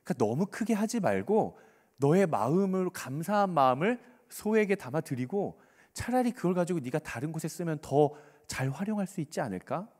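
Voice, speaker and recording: A man voicing a sly devil who slowly and softly coaxes a listener into temptation, heard inside a preached sermon. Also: on the high side, very animated, big-room sound, heavily acted. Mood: coaxing. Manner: soft, slow, persuasive coaxing.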